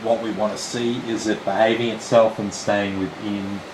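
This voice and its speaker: A relaxed Australian man with a slightly croaky, lowish voice explains a computer build step by step in a chatty live-stream manner. His voice carries a roomy echo. A steady air-conditioning hum runs behind him. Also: normal speed. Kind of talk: casual live-stream walkthrough.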